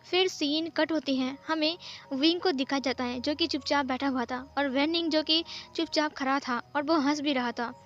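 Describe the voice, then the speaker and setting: A woman narrating a fan-fiction story in a plain, steady retelling. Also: high voice, moderate pace, lo-fi sound, faint music behind.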